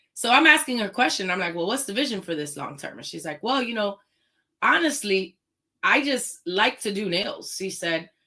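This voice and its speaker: A woman's bright, sharp, animated voice with very wide pitch swings and big shifts in loudness. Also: medium pitch for a woman, moderate pace. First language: not English. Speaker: business coach. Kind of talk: motivational talk to online group.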